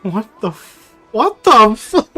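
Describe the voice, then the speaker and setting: A young man chatting casually with viewers while streaming a game, slangy, joking and sweary. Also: sits high. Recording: game music faintly behind.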